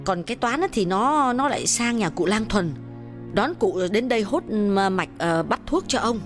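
A man voicing a sleepy, nagging middle-aged wife who scolds her husband in a quick, exasperated way. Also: sits high, lively intonation, fairly bright tone, faint music behind, pitched above the performer's own voice. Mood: coaxing. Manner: scolding, chiding, rapid exasperated.

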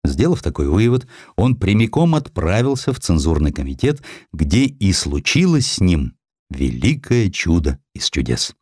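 A man narrates a historical story in a fairly low voice. His delivery is theatrical and wry, with very animated intonation. The sound is dry and close. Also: moderate pace, slightly rough, no echo. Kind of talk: expressive scripted narration of historical prose.

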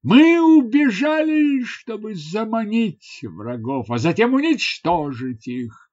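A man's voice: high-pitched, very animated, slow pace, a little mellow, dull audio, voice pushed up, full character voice. A man doing a boastful, evasive tribal chief. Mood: self-justifying. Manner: self-justifying, boastful.

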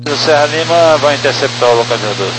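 A man's voice: medium pitch, lively intonation, quick pace, music in the background. A man, a pilot talking over the cockpit radio to the control tower in terse, clipped radio phraseology. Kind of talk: air traffic radio exchange. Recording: noisy distant radio transmission.

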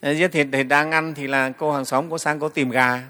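Monk giving a dharma talk. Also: male voice, fairly high pitch, fairly even intonation, moderate pace, pushed and bright, smooth, big-room sound. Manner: storytelling, frequent "đấy" fillers, addresses the assembly. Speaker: Buddhist monk teacher.

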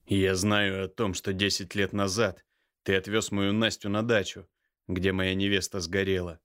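A man voicing an enraged older brother who threatens slowly and with contempt. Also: sits low, little pitch movement, a bit bright. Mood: furious, menacing. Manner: growling, slow and threatening. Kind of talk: audiobook character voice.

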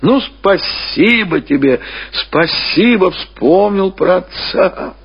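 A man's voice: sits high, expressive, slow, vocal fry, husky, voice pushed up, heavily acted. A man playing a sanctimonious, querulous middle-aged landowner father in a story, with drawling, sing-song wheedling exclamations. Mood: needling. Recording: dull old radio recording.

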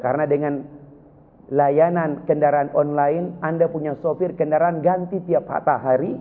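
A man preaching a sermon from Sulawesi, lively, with sudden high emotional cries. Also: normal speed. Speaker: Islamic preacher. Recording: tinny lo-fi with long hall reverb.

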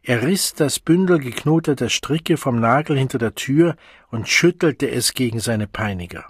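A man narrating an audiobook in a measured, dramatic way, recorded close on a studio mic. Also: medium pitch, expressive, breathy edge, no echo.

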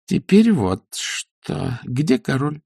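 A man voicing an impatient, fierce young woman witch in a storybook, with sharp commanding questions. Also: fairly high pitch, very animated, slow, creaky, husky, dry recording, clean studio sound, voice pushed up, full character voice. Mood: cold.

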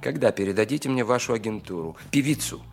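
An actor in an audio play voicing a cunning, embittered spy with a deliberate, theatrical delivery that moves between hushed and emphatic. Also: male voice, medium pitch, expressive, vocal fry. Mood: bitter, menacing. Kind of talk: dramatic audio play acting. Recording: music under the voice. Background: music.

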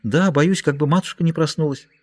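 A man voicing a frightened, devout young woman in a spoken audiobook, lifting his voice high and pleading. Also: fairly quick, close to an everyday voice. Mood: tender. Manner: raised pleading voice.

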